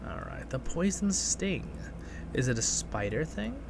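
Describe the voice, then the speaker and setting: A man with a medium-pitched, creaky, sing-song voice talks at a measured pace over noisy game music. He hosts a gaming channel, offering a loose, rambling gameplay guide and chatting with viewers as if they were friends.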